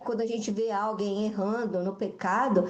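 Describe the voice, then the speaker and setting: A woman's voice: mid-range voice, fairly even intonation, moderate pace, roomy sound, over a noisy crowd. A woman student with a Brazilian Portuguese accent, giving an earnest comment in a seminary class.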